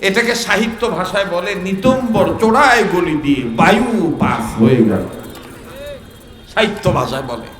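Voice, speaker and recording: A male preacher with a Rangpur dialect, telling a comic story and shouting questions out to his listeners. His voice sits high and sounds sharp and bright. It rings with long echo through loudspeakers over a murmuring crowd. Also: lively intonation, normal speed. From Bangladesh. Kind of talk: humorous sermon at a religious gathering.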